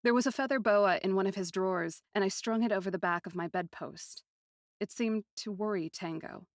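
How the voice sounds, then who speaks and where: A woman narrating first-person fiction dramatically, with a deliberate, poetic, often hushed delivery. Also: mid-range voice, no room sound, studio quality. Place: close, dry recording.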